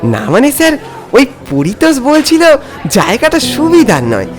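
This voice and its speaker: Anxious male sidekick, played by a man, high and respectful, stumbling over his words, animated horror cartoon with music. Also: normal speed, some chatter behind, exaggerated voice. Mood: nervous, hesitant. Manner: hesitant, stammering, respectful. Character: nervous, deferential male film assistant, anxious and hesitant.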